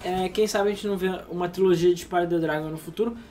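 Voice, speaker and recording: Fast-talking sleepy man in casual chat. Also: high-pitched, steady tone, darkish tone, faint music behind. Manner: rambling, swears freely. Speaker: podcast co-host. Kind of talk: casual gaming news chat.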